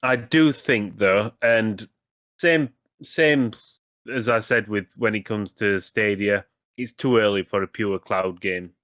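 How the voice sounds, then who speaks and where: A man's voice: on the low side, slow pace, fairly bright tone, dry recording, clean studio sound. A man co-hosting a gaming podcast, talking casually in rambling, self-correcting sentences and swearing now and then. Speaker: podcast co-host.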